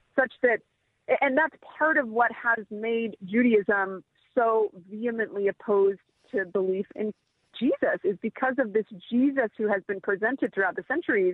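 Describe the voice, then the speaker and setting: A woman with a plain, everyday voice speaks at a moderate pace and a fairly high pitch. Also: ordinary pitch variation. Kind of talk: radio interview.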